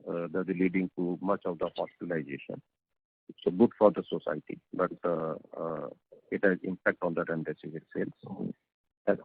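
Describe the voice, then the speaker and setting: An Indian-accented man speaking as a company executive on a conference call, explaining in a measured, halting way with frequent hesitations. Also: deep voice, gravelly, breathy edge, no echo. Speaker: company executive answering investor questions. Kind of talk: earnings call answer, explanatory. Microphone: telephone conference call. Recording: tinny, narrow phone conference line.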